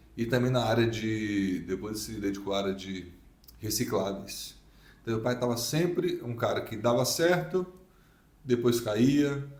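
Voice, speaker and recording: The speech moves at a fairly slow pace with lively intonation. Room echo is audible. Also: man, medium pitch for a man. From Bahia, Brazil (Feira de Santana). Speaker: massage therapist. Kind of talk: podcast interview.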